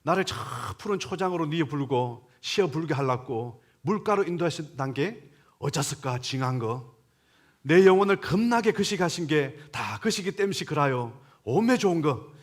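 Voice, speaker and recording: A man voicing a boisterous rustic man who recites a psalm in a thick Jeolla dialect, loud and exclamatory. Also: a little high, pitched above the performer's own voice.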